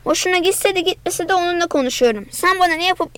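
A woman reading the part of an angry middle-aged father who shouts in a family row. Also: very high voice, quick pace, dry recording. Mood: angry shouting. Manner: shouting, bitter, later pleading.

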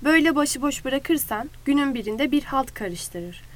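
A rough, sneering ranch hand, as a woman reads him out in a storybook, throwing taunts in a loud, coarse voice. His voice sits somewhat high and pushes hard. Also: animated, unhurried. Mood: scornful. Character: gruff rough-spoken adult male ranch hand.

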